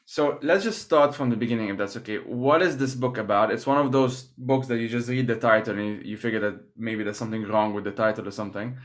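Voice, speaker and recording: A man's voice: on the low side, fast, hardly any pauses. Man hosting an interview podcast. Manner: friendly, reads a quote aloud. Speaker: podcast host. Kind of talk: interview questions.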